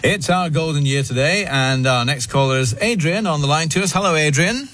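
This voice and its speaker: A man's voice: on the high side, lively intonation, brisk, a bit bright, soft background music. A male radio host chatting with a caller, upbeat and encouraging, asking short questions. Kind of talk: radio phone-in chat.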